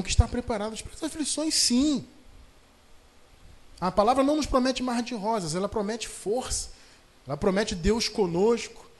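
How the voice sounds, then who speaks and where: A Brazilian man preaching a sermon on a livestream, chatty and conversational, stretching out scripture verses with emphasis. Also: high voice. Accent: Brazilian Portuguese. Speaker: pastor. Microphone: livestream microphone.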